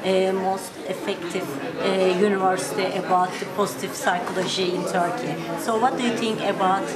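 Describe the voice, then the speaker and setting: A woman's voice: medium pitch, little pitch movement, normal speed. A woman asking interview questions at a congress, a little hesitant, with fillers. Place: busy public hall at a congress. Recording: loud crowd behind voice.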